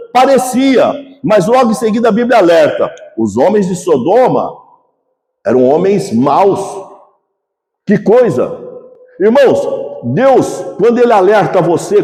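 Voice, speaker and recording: A man's voice: sits high, a little mellow. A male pastor preaching a fervent sermon in a church, often addressing the congregation as brothers. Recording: echoey church hall reverb.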